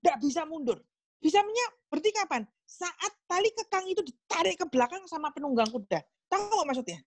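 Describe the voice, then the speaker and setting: A woman's voice: very high voice, sing-song, a little fast, no room sound. A woman preaching a casual sermon, chatty and acting out little dialogues. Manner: chatty, acts out dialogues with God. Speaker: preacher at a small group meeting.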